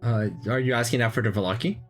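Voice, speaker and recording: A man's voice: medium pitch, fast, faint music behind. A man running an online tabletop game as dungeon master, talking with many fillers and restarts.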